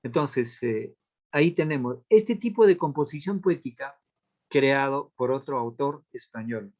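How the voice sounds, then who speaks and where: A man teaching a literature class in a recorded lesson, explaining patiently, repeating key points and often checking in with a quick question. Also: medium pitch, animated, a little mellow. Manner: counts out verses aloud slowly.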